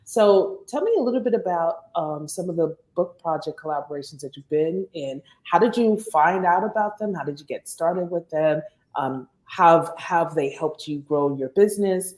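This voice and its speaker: A woman's voice: lowish voice, normal speed, darkish tone, echoey room, poor audio. A woman podcast host in casual interview chat, chatty with fillers like "you know" and "like".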